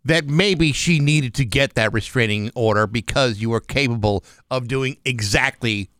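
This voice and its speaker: A man's voice: medium pitch, moderate pace, a bit bright, no echo. An American man hosting a radio show in a casual, sardonic conversational style, close on a studio microphone.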